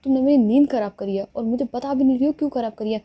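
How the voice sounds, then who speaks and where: A woman's voice: fairly high pitch, rapid-fire, breathy edge, highs cut off. A woman voicing a drowsy, irritated young woman who complains about being woken at night. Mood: grumpy, sleepy.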